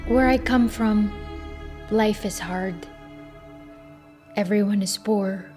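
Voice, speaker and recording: Slow, sorrowful immigrant woman played by an actress, over loud music. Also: medium pitch, lightly acted. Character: sorrowful, selfless immigrant woman far from her family. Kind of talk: dramatic film trailer monologue.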